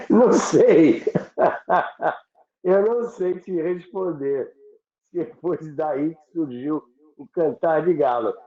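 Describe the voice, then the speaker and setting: A Brazilian man with a fairly high voice explains things in an informal interview. He stumbles over repeats and throws in rhetorical questions. The sound is thin like a phone call, with plenty of room echo. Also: mellow. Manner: halting, repeats words, asks rhetorical questions. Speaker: interview guest on radio history.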